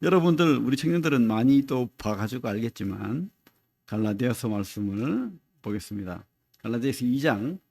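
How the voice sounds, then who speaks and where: A middle-aged male pastor preaches a Sunday sermon in an easygoing, conversational way. His voice sits at a medium pitch and carries a gravelly, creaky edge. He keeps turning to his listeners with quick "right?" checks and acts out the people in his stories. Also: lively intonation, darkish tone. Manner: conversational preaching, constant "right?" tag questions to the congregation.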